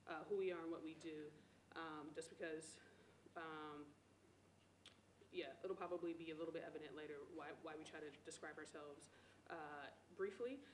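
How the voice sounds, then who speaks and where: A soft-spoken woman speaking as a panelist at a university event, deliberate, with frequent ums and uhs. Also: low voice, steady tone, a little hiss or hum. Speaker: director of a community finance group, panel speaker. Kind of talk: public talk at a university event. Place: lecture hall. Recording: echoey hall, faint ambience.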